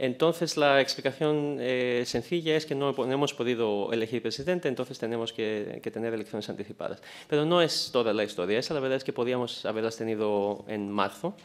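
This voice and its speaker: A man's medium-pitched voice with a Greek accent, fairly quick and with hardly any pauses, showing ordinary pitch variation. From Greece. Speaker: historian. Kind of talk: panel talk. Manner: halting, many fillers. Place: meeting room.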